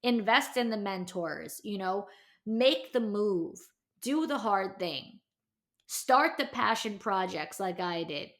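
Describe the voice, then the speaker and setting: A woman's voice: medium pitch, lively intonation, takes it slowly, a bit bright. Candid thirty-year-old woman podcaster. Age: 30s. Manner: candid, chatty, sprinkled with "like" and "you know"; emphatic, encouraging direct address to listeners. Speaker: podcast host. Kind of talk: casual solo podcast pep talk.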